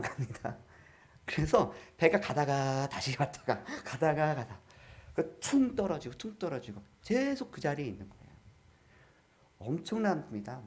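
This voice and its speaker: A man with a mid-range, slightly mellow voice preaches a sermon as pastor. He keeps questioning the congregation and calling out for amens.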